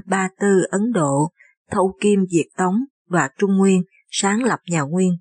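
A woman reading a historical novel aloud as a narrator, in a steady, measured storytelling manner. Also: mid-range voice, husky, dry recording. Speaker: audiobook narrator.

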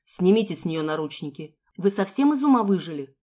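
A woman reading the part of a calm, caring young man who talks softly but firmly, in an audiobook. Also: on the low side, brisk. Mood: concerned, firm.

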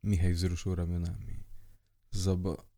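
A man reading a horror story aloud in measured, scripted narration. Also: low voice, completely flat delivery, warm tone. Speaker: audiobook narrator.

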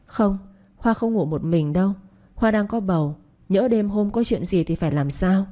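A woman's voice: medium pitch, normal speed, mellow, close to an everyday voice. A woman voicing a scheming, shameless pregnant stepmother who mocks and wheedles. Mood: wheedling. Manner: mocking, wheedling.

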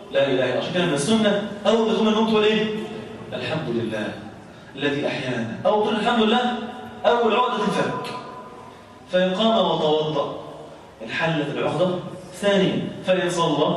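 High-voiced Egyptian preacher in echoey mosque. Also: male voice, quick pace, a little hiss or hum. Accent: Egyptian Arabic. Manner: colloquial, rhetorical questions answered himself. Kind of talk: mosque sermon. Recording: echoey mosque hall from far off.

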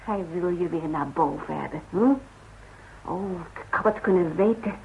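An actress in a Dutch radio play playing a protective, sharp-tongued grown daughter, blunt and probing. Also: female voice, fairly low pitch, normal speed, creaky, slight background noise. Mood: suspicious, probing. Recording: dull, lo-fi old radio recording.

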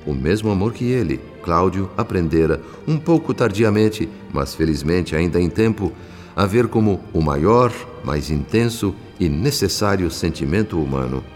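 Deep-voiced solemn spirit narrator, radio drama, big reverb, faint music. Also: male voice, lively intonation. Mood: solemn, compassionate. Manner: solemn, literary, measured. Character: solemn, humble male spirit narrator recounting events. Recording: long reverb, music behind.

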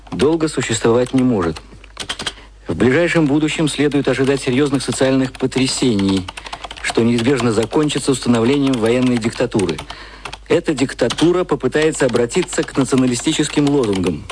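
A man's voice: medium pitch, natural voice. An actor playing an earnest copywriter who voices his pompous analysis in a formal, bookish way, with typing behind him. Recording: clear typing noise over the voice. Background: keyboard typing.

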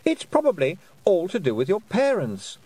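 A man's voice: high voice, huge pitch swings, normal speed, mellow, no room sound, voice pushed up, full character voice. A man putting on a silky, taunting fairy queen. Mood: cruel. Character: cruel, mocking fairy queen woman.

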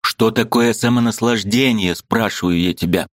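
A man voicing a gloomy, tired nobleman who answers in a sullen, weary, low voice. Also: moderate pace, no room sound, studio quality, close to an everyday voice.

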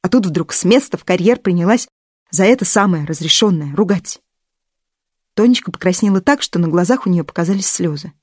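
A woman narrating an audiobook in an even, measured storytelling manner. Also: on the low side, slightly rough, no room sound, clean studio sound. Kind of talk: expressive scripted narration.

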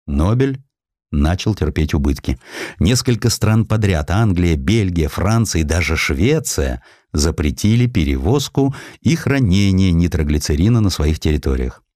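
A man's voice: low-pitched, very animated, moderate pace, a little mellow, dry recording, studio quality. A man narrating a historical essay as a scripted audiobook, with theatrical, ironic storytelling and varied emphasis.

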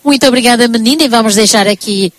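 A woman's voice: a little high, fast talker, dry recording. A woman, interviewing students live on radio in a chatty, effusive and encouraging way.

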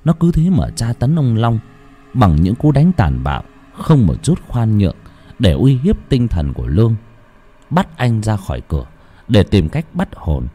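In a fairly low, slightly breathy voice, a man tells a ghost story with dramatic, expressive flair at a moderate pace.

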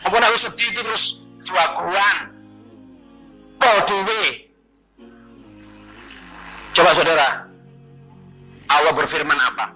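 A man's voice: high-pitched, slow, pauses often, over music, poor audio. A man preaching a sermon to a congregation, jokey and addressing the crowd directly.

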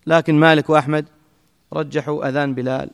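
Fast, gravelly man teaching in a hall. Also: on the high side, little pitch movement. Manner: brisk explanatory, quick asides and restarts. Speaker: teacher explaining a hadith text. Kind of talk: classroom commentary. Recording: echoey hall.

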